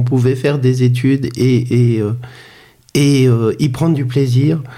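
A man talks with noticeable noise behind him and room echo audible on his voice. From Paris region, France. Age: 50s. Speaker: art director and photographer. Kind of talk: interview conversation. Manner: hesitant, many fillers and repetitions.

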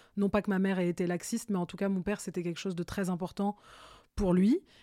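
A woman at a medium pitch speaks with monotone, flat intonation and a dark, mellow tone. The recording is very clean with a silent background, with a dry, close sound and no echo. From Paris, France. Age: 30s. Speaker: former communications director, wellness entrepreneur. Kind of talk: interview.

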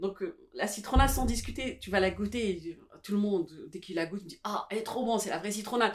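A woman speaking very fast at medium pitch, with ordinary pitch variation, big swings in loudness and noticeable background noise. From Algeria, Constantine. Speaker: small business founder. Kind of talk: interview.

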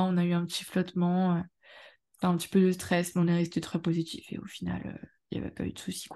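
A woman's voice has a dark, mellow tone and a fairly low pitch. She speaks in a monotone, flat way against a quiet background. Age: 20s. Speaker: primary school teacher sharing birth story. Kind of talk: testimony. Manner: halting, many fillers.

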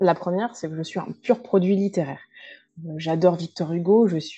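A woman speaks at a medium pitch and moderate pace. Her tone is dark and mellow, with fairly even intonation. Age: 30s. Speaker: aspiring novelist and literature teacher. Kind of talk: interview. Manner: halting.

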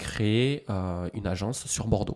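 Here a man speaks at a fairly low pitch with ordinary pitch variation. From France, Loiret (Centre region). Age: 30s. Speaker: DJ and electronic music producer. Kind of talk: casual interview. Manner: halting, many repetitions.

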